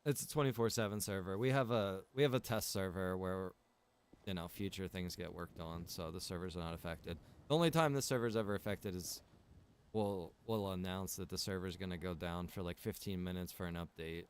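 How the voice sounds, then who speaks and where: A low-pitched, brisk male voice comes through with a clean tone. He streams a game and runs a server, chatting with viewers in a relaxed way and thinking aloud as he meanders.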